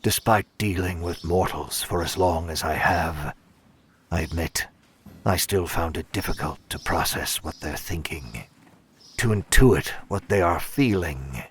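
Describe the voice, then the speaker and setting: Audio drama interrogator, not human. Very deep, deliberate, controlling, chilly formality, very slow delivery. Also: male voice, husky, full character voice. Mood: cold, measured. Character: cold, controlling inhuman interrogator who oversees mortals. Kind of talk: audio drama with first-person narration.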